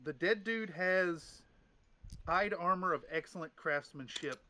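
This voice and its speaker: A man's voice: high-pitched, unhurried, sharp tone, a little hiss or hum. A man running a tabletop game as game master, rambling with restarts and fillers.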